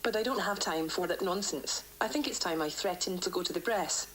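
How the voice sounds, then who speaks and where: A woman playing a worried, defiant doctor dictating formal, measured research logs for an analog horror tape series, recorded on vintage cassette. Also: lowish voice, a bit bright, lightly acted, poor audio. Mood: frustrated, resolute. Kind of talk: analog horror tape log, scripted report.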